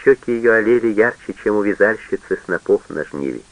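A man reading a literary novel aloud in a measured, solemn way. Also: on the low side, animated, low-quality recording. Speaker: audiobook reader. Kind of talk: literary audiobook narration.

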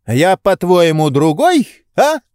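A man's voice: high voice, big pitch swings, unhurried, a little mellow, clean tone, no echo, clean studio sound, voice pushed up. Oblomov, a man doing an indignant pampered nobleman. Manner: exclaiming, reproachful, rhetorical questions. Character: indolent pampered male nobleman, indignant and wounded. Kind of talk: audiobook character reading.

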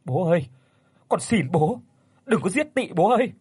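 A man's voice: mid-range voice, lively intonation, moderate pace, darkish tone, breathy edge, no echo, pitched below the performer's own voice. A man voicing a desperate young man who begs and pleads. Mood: pleading. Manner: pleading, tearful.

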